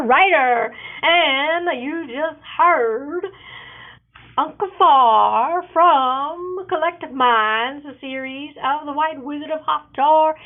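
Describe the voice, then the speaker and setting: A woman narrator with a fairly high voice reads and presents like an author sharing a story. The sound is narrow and thin, as if it came through a phone. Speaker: author and narrator reading own book. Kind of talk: expressive audiobook-style reading and presenting.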